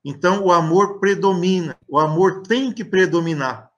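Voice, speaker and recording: A middle-aged man with a Brazilian accent giving an earnest, reflective religious testimony, speaking deliberately with frequent pauses over a video call. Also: high voice, muffled recording. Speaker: guest speaker at a spiritist talk. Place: indoor room at home, on a video call.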